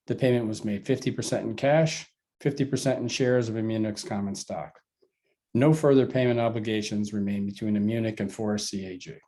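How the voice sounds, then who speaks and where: A man's voice: fairly low pitch, dark tone. A man reading a scripted financial report on an earnings call as a company finance executive, formal and methodical with figures.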